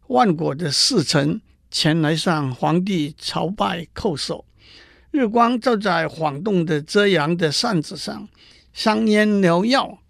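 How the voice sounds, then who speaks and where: A male storyteller who retells a classic fable and explains old poetry at a measured, even pace. His voice is high for a man with a gravelly grain, recorded close and dry. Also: dry recording. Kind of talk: storytelling narration for listeners.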